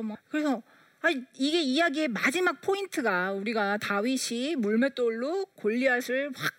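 A woman telling an emotional personal story as a mother, animated and putting on voices as she goes. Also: on the high side, no echo, clean studio sound.

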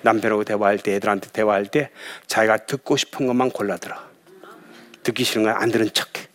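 A male pastor preaching a sermon in a lively storytelling way, often asking his listeners questions. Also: fairly low pitch, fast. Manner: lively storytelling, acts out voices, asks the audience questions.

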